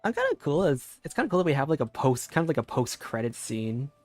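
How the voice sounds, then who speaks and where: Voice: mid-range voice, very animated, quick pace, darkish tone, dry recording, faint music behind. A game streamer giving casual live commentary while playing.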